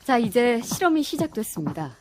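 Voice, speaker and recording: A woman narrates a documentary with a calm, polished announcer's delivery. Her voice sits slightly high, and music plays behind her throughout. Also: brisk.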